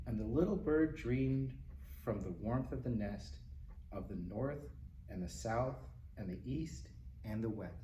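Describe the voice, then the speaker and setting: Mellow man reading to children, roomy sound. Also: medium pitch, lively intonation, measured pace, highs cut off. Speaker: children's storytime reader at a public library. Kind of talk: picture-book read-aloud with asides to young children. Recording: roomy, distant mic with faint noise.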